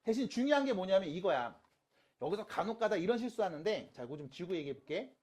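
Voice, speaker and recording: A math teacher lectures high school students online, with a voice that swings widely up and down in pitch. The teacher keeps checking in with quick rhetorical questions and slows right down to repeat each key step. Casual and polite speech alternate throughout. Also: sing-song, a little mellow, slightly rough. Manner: repeats key steps slowly and emphatically.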